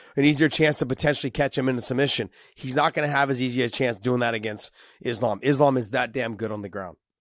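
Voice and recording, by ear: A man performs a raspy put-on character voice at a very fast pace and medium pitch. His pitch variation is ordinary, and the recording is very clean with a silent background.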